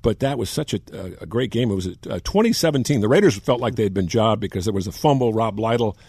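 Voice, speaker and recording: A man in his sixties, a longtime sports broadcaster, telling animated anecdotes in casual chat. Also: fairly low pitch, fast talker, vocal fry, slightly rough, dry recording, studio quality. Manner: animated anecdotes, acts out quotes.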